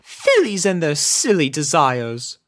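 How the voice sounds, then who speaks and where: A woman's voice: sits low, wildly swooping pitch, slow, no echo, voice pushed up, full character voice. A refined elder-sister unicorn mare, performed by a woman reading a story. The voice is raised and lilting, prim and composed, with formal, proper phrasing and a firm edge. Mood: sympathetic.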